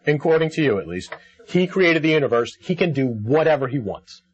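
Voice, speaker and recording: Husky, animated man debating on call-in radio. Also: fairly high pitch, a little fast. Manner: argumentative, sceptical, challenging. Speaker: call-in radio show host. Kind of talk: debating a caller. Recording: dull, lo-fi radio show audio.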